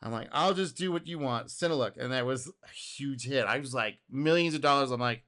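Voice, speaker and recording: A man hosting a casual reaction video, speaking in an animated way, laughing and acting out quotes, his voice going a little hoarse. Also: mid-range voice, fairly quick. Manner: animated, exclaims and laughs, acts out customer quotes. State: getting hoarse.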